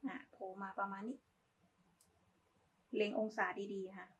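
A woman's voice: mid-range voice, flat delivery, measured pace, slightly rough. A woman giving a casual, polite step-by-step craft tutorial, talking as she demonstrates. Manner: informal, polite, talks while demonstrating.

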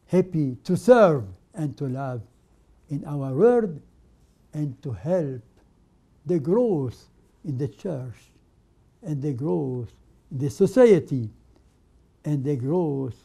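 Older guy, arabic his first language, preaching really slow in choppy bits, warm low tone. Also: gravelly, breathy edge. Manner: halting, emphatic phrases with many pauses. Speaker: patriarch presenting a religious program. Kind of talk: slow spoken sermon.

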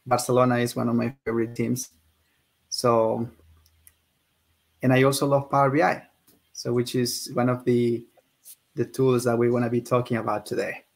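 A man's voice: mid-range voice, flat delivery, moderate pace, gravelly, pauses often. Friendly young man from Peru hosting. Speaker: interview host. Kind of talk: casual video-call interview.

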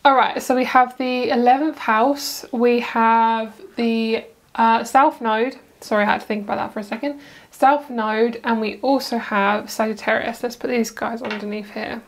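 A chatty woman with a slightly high voice reads tarot cards at home. She rambles cheerfully, stops herself mid-thought and wanders into side comments before getting back on track. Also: steady tone, normal speed. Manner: chatty, rambling, self-interrupting with asides. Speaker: tarot reader. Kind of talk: casual pick-a-card tarot reading.

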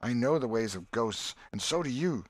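A man's voice: mid-range voice, expressive, moderate pace, no room sound, pitched above the performer's own voice, natural voice. A man doing a wary country boy. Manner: plain, drawling, superstitious. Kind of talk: audiobook character voice.

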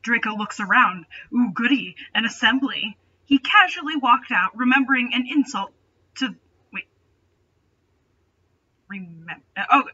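A woman's voice: a little high, expressive, unhurried, long pauses, bright, forceful tone, breathy edge, highs cut off. A young adult woman reading a story aloud with dramatic delivery and sarcastic, mocking asides. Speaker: host reading fan fiction aloud. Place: small bedroom, indoors.

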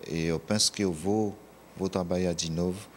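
A man giving an interview indoors, speaking haltingly with frequent restarts. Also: low voice, fairly even intonation, slight background noise. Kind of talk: interview soundbite.

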